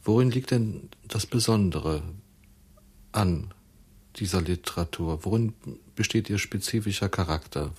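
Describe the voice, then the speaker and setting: Low husky male interviewer. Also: a little slow, a little mellow. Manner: probing, formal. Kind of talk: formal interview questions.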